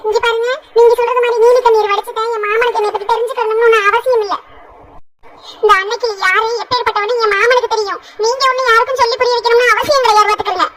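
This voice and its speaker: A defiant young village wife from a cartoon, voiced by an actor, high and bright in tone. She fires back at her mother-in-law with quick, indignant retorts in rural speech. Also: steady tone. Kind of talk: cartoon voice acting.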